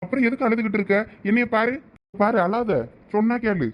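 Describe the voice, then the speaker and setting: A man's voice: high voice, fairly even intonation, brisk, lo-fi sound, lightly acted. A man acting as a caring young husband in a village comedy-drama, coaxing and teasing his wife affectionately. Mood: worried. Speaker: actor in a village family skit.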